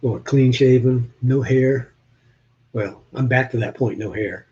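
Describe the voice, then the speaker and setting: A man's voice: mid-range voice, unhurried, darkish tone, breathy edge, dull audio. An older man from New Hampshire with a slight Southern drawl, chatting casually with viewers on a live stream and joking as he shows old photos. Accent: Southern US with New England traces.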